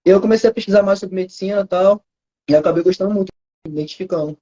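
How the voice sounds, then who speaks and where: A young man in his twenties with a Carioca accent, a student answering interview questions over a video call in a soft-spoken, modest way. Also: high-pitched, rapid-fire, lo-fi sound. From Rio de Janeiro, Brazil. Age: 20s. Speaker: student approved in medicine.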